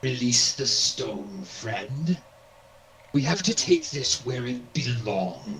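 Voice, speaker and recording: A man puts on a character voice at medium pitch. He talks at a very slow pace with lively intonation. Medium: actual play. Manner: smooth, coaxing.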